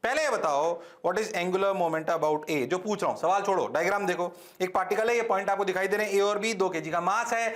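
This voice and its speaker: A male physics teacher lecturing in a classroom, with a notably high voice. He teases his students playfully and fires quick questions at them, pushing them to answer fast. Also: roomy sound. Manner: playful, teasing, rapid-fire questioning.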